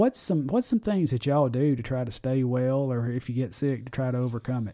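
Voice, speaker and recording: A man with a Southern US accent at a fairly quick pace. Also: medium pitch for a man, ordinary pitch variation. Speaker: podcast host. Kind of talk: interview. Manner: halting, repeats words.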